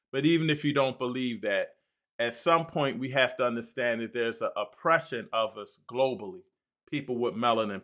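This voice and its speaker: Male host, bright forceful voice, earnest and measured. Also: medium pitch. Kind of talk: casual discussion.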